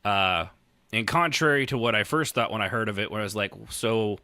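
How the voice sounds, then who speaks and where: Man, American accent, low pitch, very bright forceful tone, dry close recording, wry casual podcast banter. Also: expressive, a little fast, clear, resonant tone, no room sound. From United States. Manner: wry, joking, swears casually. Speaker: podcast host. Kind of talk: casual comedic podcast chat.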